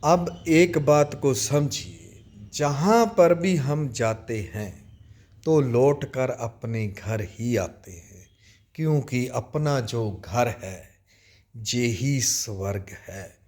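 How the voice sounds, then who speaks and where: A man giving a slow, deliberate spiritual talk on meditation, addressing listeners directly with long pauses. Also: medium pitch, darkish tone. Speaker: spiritual teacher.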